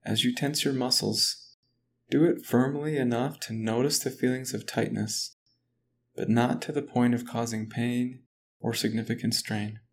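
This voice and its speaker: A man leads a muscle relaxation exercise in a slow, calm, even manner. His voice stays level, with little rise and fall. There is a faint background noise throughout. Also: mid-range voice, vocal fry. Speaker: relaxation guide. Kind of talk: guided relaxation script.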